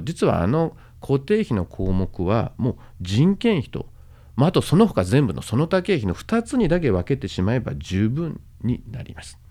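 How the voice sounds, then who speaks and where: Man lecturing with wildly swinging pitch. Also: warm tone. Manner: casual, with many fillers and sentence-final tags; speaks to the listeners directly, encouraging them. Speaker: host and medical management lecturer. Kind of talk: explanatory podcast lecture.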